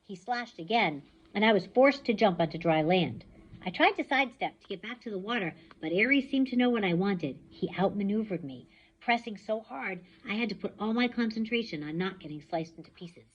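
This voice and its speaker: A woman reads a novel aloud, shaping the action scenes with lively swings in pitch. Her voice has a husky edge. The recording sounds dull and muffled. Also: brisk. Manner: expressive storytelling. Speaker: reader.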